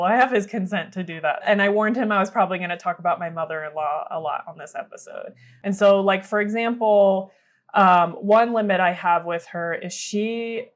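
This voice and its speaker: A woman panelist and therapist explaining ideas in a thoughtful, conversational way, often checking in with "right?". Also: medium pitch. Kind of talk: casual explanatory discussion.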